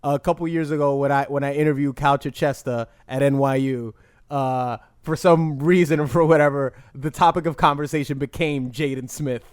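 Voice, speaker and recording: A man hosting a podcast, arguing his point in casual, animated debate with a co-host and cutting in often. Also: mid-range voice, normal speed, clean tone, dry recording, studio quality. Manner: animated, argumentative, interrupts.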